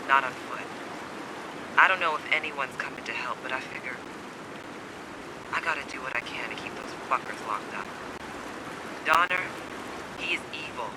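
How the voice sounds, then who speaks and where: Wary, higher-pitched survivor played by a man, rumbling noise. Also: close to an everyday voice. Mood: urgent. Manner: terse, guarded, cynical. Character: wary, secretive survivor on edge, blunt and urgent. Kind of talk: dramatic video game acting.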